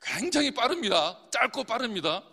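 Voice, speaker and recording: High lively-voiced male pastor preaching. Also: moderate pace, husky. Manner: asks the congregation questions and answers them himself. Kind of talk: sermon. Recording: long hall reverb.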